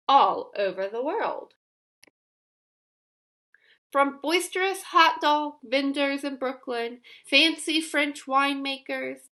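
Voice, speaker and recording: A woman reading a children's picture book aloud as an expressive, emphatic storyteller with dramatic pauses. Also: high-pitched. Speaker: storybook reader.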